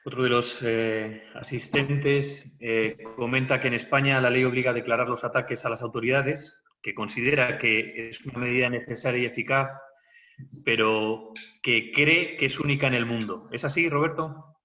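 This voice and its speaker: A man's voice: medium pitch, steady tone, normal speed, bright, forceful tone, lo-fi sound, slight background noise. A man moderating a webinar, reading out audience questions with a few hesitant fillers.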